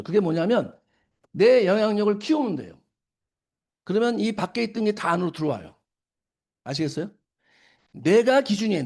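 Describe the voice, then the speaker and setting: At a business seminar, a middle-aged man lectures an audience in a high, slightly mellow voice at a quick clip. He repeatedly asks his listeners questions and answers them himself, acting out scolding lines whenever he quotes someone.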